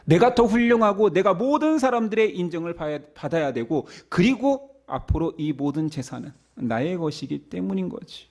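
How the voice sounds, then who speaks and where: A man's voice: high voice, animated, moderate pace, hardly any pauses, darkish tone. A male pastor acting out an indignant grown elder son who protests with grievance in a preached story. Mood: resentful. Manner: aggrieved, protesting.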